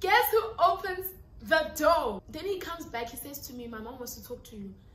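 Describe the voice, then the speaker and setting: Extremely high-pitched, a woman's voice swings widely in both pitch and loudness, with audible room echo. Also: fairly quick pace. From South Africa. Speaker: YouTuber. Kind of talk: storytime talk to camera. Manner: casual, chatty. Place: home room.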